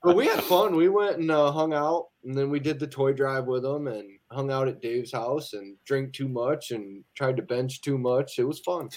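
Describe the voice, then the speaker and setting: A man's voice: medium pitch, moderate pace, hardly any pauses, a little mellow, a little hiss or hum, low-quality recording. A man who is a podcast guest, telling a story in a playful, joking way. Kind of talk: casual podcast chat.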